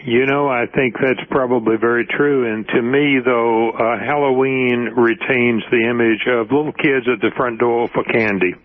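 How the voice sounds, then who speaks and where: A man's voice: mid-range voice, steady tone, normal speed, hardly any pauses. A polite man being interviewed by phone, rambling and hesitant. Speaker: phone guest, haunted house expert. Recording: muffled phone line.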